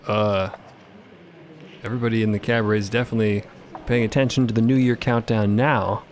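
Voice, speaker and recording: A man's voice: lowish voice, steady tone, fairly quick, a little hiss or hum. A man narrating a scripted audio drama in a dramatic storytelling style. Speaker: podcast narrator. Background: loud music.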